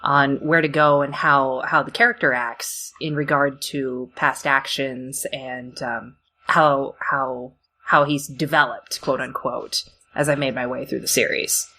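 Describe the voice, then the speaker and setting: Casting: woman, twenties, podcast panelist, very deep for a female voice, bright edge, casual halting delivery. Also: steady tone. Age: 20s. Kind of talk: casual chat.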